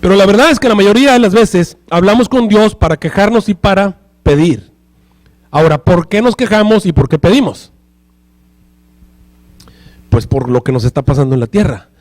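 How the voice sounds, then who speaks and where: A man preaches to his congregation, his voice sitting notably high for a man. He teaches steadily and keeps turning to the room with questions like a teacher checking in. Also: lively intonation, moderate pace, pauses often, a little mellow. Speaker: pastor. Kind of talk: sermon.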